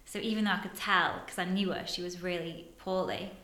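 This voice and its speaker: A woman's voice: fairly low pitch, steady tone, a little fast, pushed and bright, reverberant. A woman, chatting casually and filling her talk with "like" and "you know". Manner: chatty, uses many fillers like "like". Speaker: guest, therapist for women. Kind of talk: casual podcast conversation.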